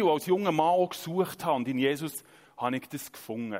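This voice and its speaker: With ordinary pitch variation, a man's words come at a fairly quick pace. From Zurich region, Switzerland. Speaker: pastor. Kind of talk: sermon.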